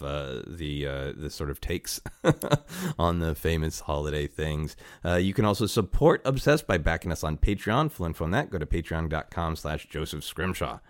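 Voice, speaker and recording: A man's voice: deep voice, no echo, studio quality. A man hosting a podcast in a casual, playful, wry chat. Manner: chuckles often, wry and playful. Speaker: podcast host.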